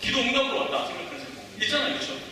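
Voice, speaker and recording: A man's voice: very high-pitched, sing-song, racing, pushed and bright, distant mic. A pastor in his forties preaching a sermon, talking conversationally and quizzing the congregation with questions, heard from off the mic in an echoey church hall. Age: 40s.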